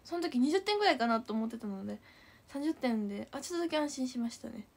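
Lively young woman with Kansai accent. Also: high voice, quick pace. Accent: Kansai Japanese. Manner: animated, giggly storytelling. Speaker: idol livestreamer. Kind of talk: casual storytelling to viewers.

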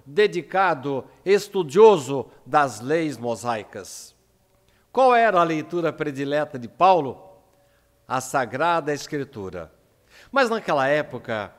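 A Brazilian man in his seventies giving a prepared religious lecture in Portuguese with deliberate, emphatic pauses at a lectern microphone. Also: a little high. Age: 70s. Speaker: lecturer at a Spiritist centre. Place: indoor lecture room at a lectern. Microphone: gooseneck lectern microphone. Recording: echoing hall with long reverb.

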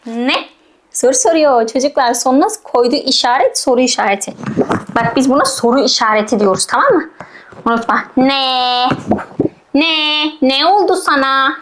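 Her voice is high as this primary school teacher walks first graders through reading syllable by syllable. Patient and gentle, she repeats each sound again and again and encourages the child directly in a coaxing tone.

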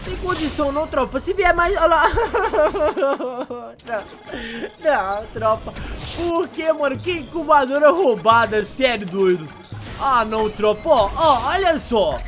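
A young man from Brazil with a Brazilian Portuguese accent, giving excited, exasperated gameplay commentary full of slang, his voice going hoarse. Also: very high-pitched, moderate pace, soft background music. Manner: exasperated, exclaims often, heavy slang. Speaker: gaming YouTuber.

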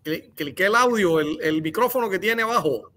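Insistent high-voiced male panelist. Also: lively intonation, normal speed, sharp tone. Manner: insistent, repeats himself. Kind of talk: casual talk show banter. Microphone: video call.

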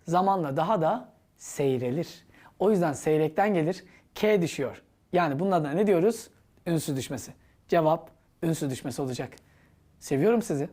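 Lively woman teaching a grammar lesson. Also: deep voice, a little fast. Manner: asks herself questions and answers them; playful, chatty classroom banter. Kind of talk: exam-prep grammar lesson.

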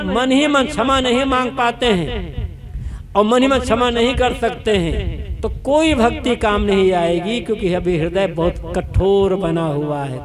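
A man giving a devotional sermon, earnest and repeating key phrases for emphasis. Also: high voice. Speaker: spiritual teacher giving a discourse. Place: religious assembly.

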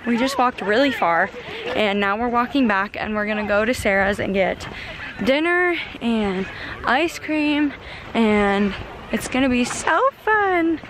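Young woman, American accent, higher-pitched, chatty and informal, vlogger, noisy outdoor camera audio. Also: expressive, unhurried. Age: early 20s. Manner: bubbly, informal, frequent "like". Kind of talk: casual chatty vlog with a friend. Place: open lakeside beach, outdoors. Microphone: camera held at arm's length.

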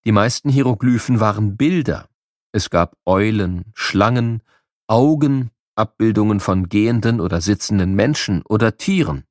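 A man reading scripted educational narration for children, explaining things like a storyteller with clear enunciation. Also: fairly low pitch, lively intonation, normal speed, no room sound, clean studio sound.

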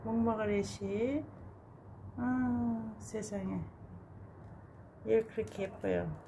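A woman with a mellow, warm voice talks in a relaxed, casual way as she shows her balcony plants, sighing softly in admiration. A faint hum of ambient noise sits behind her. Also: fairly high pitch, very slow, creaky. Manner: gushing and admiring, with soft sighs. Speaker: gardening vlogger. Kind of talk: casual narration while showing plants. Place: home balcony garden.

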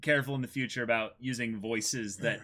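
A man's voice: mid-range voice, steady tone, brisk, pushed and bright. A man in his twenties with a North American accent, chatting casually as co-host of a livestream. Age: 20s. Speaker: streamer and co-host. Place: small indoor room.

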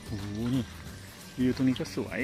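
Over music, a man walks and vlogs at a normal speed, chatting away and exclaiming as he speaks to his audience collectively. The casual walk takes him outdoors along a street and into a garden cafe.

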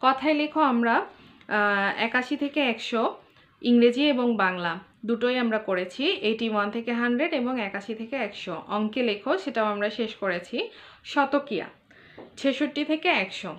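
A young woman teaching a kindergarten math class online, patiently going over the exam syllabus and repeating numbers slowly and clearly. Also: fairly high pitch, a bit bright.

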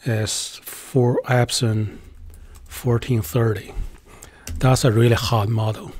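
Man, casual voice-over tutorial, chatty and hesitant, dry close sound, mid-pitched voice. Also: level tone, takes it slowly, a little mellow, dry recording. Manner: chatty and hesitant, many filler "uh"s. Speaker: tech channel host.

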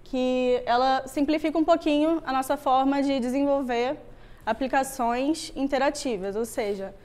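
A woman's voice: high voice, normal speed, darkish tone. A young woman with a Rio de Janeiro Brazilian accent giving an informal tech talk in a casual, conversational manner. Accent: Rio de Janeiro (carioca) Brazilian. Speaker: Android developer, meetup speaker. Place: meetup room with wooden floor, on stage before a screen.

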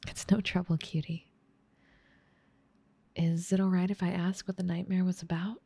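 A woman voicing a gentle, caring big sister in an ASMR roleplay, soft and slightly scratchy, tender and soothing, often whispering. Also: on the low side, little pitch movement, normal speed, gravelly, husky, no echo. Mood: gentle concern.

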